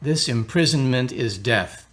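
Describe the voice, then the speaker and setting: A man acting as an earnest, kindly Catholic priest in a radio drama, gently persuasive and a little hesitant. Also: mid-range voice, lively intonation, a little slow. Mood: earnest preaching.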